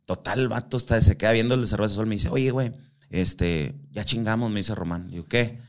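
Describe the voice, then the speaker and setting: On the low side and fairly quick, this man from Mexico narrates casual stories as a guest. Expect slang, frequent swearing, and acted-out quotations.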